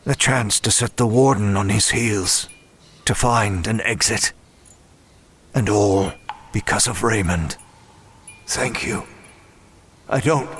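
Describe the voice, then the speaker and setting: An actor playing a weary, tormented man who narrates his ordeal in a horror audio drama, grave and deliberate with halting pauses. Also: lowish voice, slightly rough. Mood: grim, resigned, then quietly grateful.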